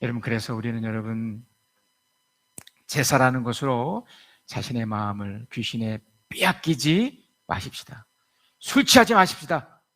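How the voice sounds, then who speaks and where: Gravelly man preaching. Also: medium pitch. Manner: lively storytelling, acting out quoted voices. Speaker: pastor. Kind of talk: sermon. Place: church sanctuary.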